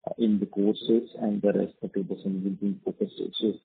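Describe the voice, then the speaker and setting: Gravelly, low man on phone. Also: flat delivery, a little fast. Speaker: analyst asking questions on an earnings call. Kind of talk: business question. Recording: narrow muffled phone line.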